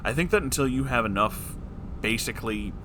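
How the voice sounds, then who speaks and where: A man's voice: medium pitch, lively intonation, fairly quick, background noise. A man hosting a letter-reading show, performing listeners' letters expressively and answering with wry, conversational advice. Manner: theatrical, wry asides.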